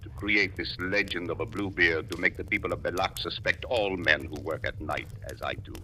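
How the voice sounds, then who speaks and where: An actor playing a French doctor who leads the underground, slow, controlled and quietly threatening, in 1940s radio drama style. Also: male voice, low voice, close to an everyday voice. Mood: calm. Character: French doctor leading the underground, calm, menacing. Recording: noisy old radio broadcast.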